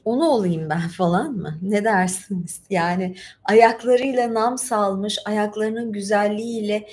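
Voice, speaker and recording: A woman's voice: mid-range voice, a little slow, darkish tone. A woman hosting a casual storytelling livestream, reading aloud and commenting in a chatty, rambling, informal way. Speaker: livestream host. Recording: roomy echo, faint background noise.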